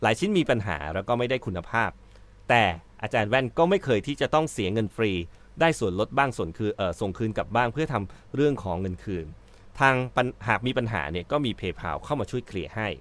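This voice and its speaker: A man's voice: on the low side, lively intonation, quick pace, fairly bright tone. A male host giving casual commentary on an article he reads out, chatty, with frequent fillers and self-corrections.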